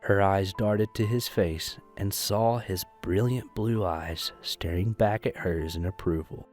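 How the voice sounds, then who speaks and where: Low-voiced man narrating a story over music. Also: a little slow, darkish tone. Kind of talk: scripted audio drama narration of a story.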